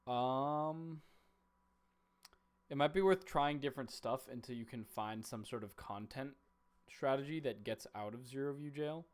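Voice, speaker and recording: A man's voice: medium pitch, measured pace. A man in his twenties hosting a casual call, giving frank, laid-back advice in short replies. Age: 20s. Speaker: host.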